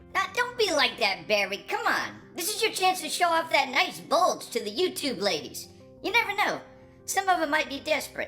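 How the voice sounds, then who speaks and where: A man does a put-on character voice at an extremely high pitch. Music plays clearly in the background. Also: moderate pace. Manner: brash, pushy.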